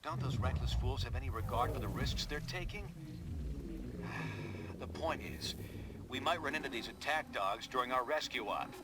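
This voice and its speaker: An actor playing an earnest, resolute male leader, briefing a team in a measured, serious way in a game cutscene. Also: sing-song. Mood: concerned. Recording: clear background rumble of ambience.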